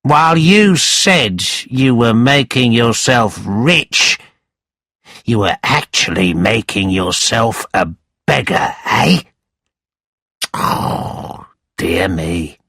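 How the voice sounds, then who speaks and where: A man reading a story aloud and voicing a scheming, cold-hearted moneylender who taunts in a calm, cutting way. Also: mid-range voice, extremely slow, creaky, no room sound, clean studio sound, pitched above the performer's own voice, full character voice. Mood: taunting.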